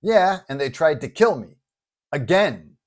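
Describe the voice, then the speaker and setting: A man's voice: a little high, very animated, a little slow, voice pushed up. A man voicing a wounded, wearily sarcastic male superhero in an audio storybook, wry and matter-of-fact. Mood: strained, matter-of-fact.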